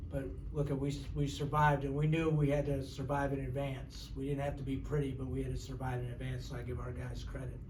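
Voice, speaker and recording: A man talks at a fairly quick pace with hardly any pauses. Audible room echo surrounds his voice. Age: 60s. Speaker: basketball head coach. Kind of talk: post-game press conference. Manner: direct, candid.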